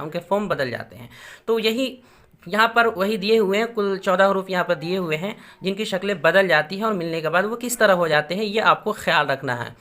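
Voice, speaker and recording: Patient male Quran teacher, bright voice. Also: high voice. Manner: patient, repeats each letter slowly and explains. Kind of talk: recorded beginner lesson.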